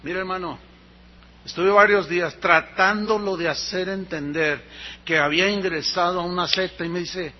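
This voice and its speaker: Mexican pastor, high husky voice. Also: male voice, normal speed, dull audio. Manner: animated storyteller acting out dialogue. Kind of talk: sermon with personal storytelling.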